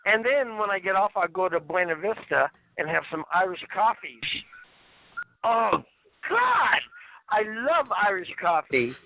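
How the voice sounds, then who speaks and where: A man leaving a rambling voicemail over the telephone, talking in a halting, repetitive, drawn-out way. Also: sits high, big pitch swings. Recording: tinny phone-line voicemail.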